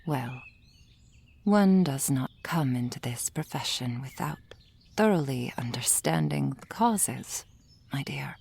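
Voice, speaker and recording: A woman voicing a gentle female soul healer in an ASMR roleplay, whispering softly and soothingly into a close microphone. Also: extremely low pitch, lively intonation, exaggerated voice. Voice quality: breathy whisper. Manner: soft whispering, slow and soothing. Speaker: ASMR performer.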